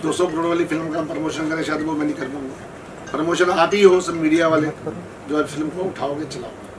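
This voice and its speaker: Higher-pitched man, distant and noisy. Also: a little fast, crowd noise. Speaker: filmmaker at a press event. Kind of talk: unscripted press conference answers. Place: press event room. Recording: distant mic, noisy room.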